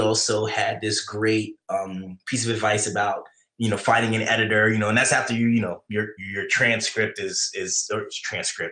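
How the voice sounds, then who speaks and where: A man speaks in a New York accent at a medium pitch. His tone is bright and sharp. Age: 30s. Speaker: writer and livestreamer. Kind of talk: live writing stream chat. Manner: halting, many repeated words and fillers.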